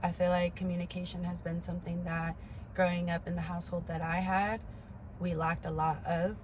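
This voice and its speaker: A woman's voice: fairly low pitch, level tone, brisk, slight background noise. A woman in her twenties giving a candid personal talk to camera, stressing points emphatically by repeating words. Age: 20s. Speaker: vlogger.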